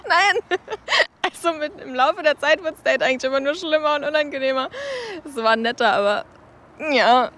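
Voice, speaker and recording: A woman's voice: high voice, normal speed, long pauses, fairly bright tone. A woman casually telling a personal story, recorded as an amateur voice message. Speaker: listener sending in a story.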